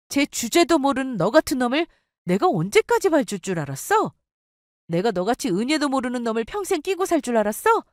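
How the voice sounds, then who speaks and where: A woman voicing a furious wife who scolds with sharp contempt. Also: a little high, dry recording, clean studio sound.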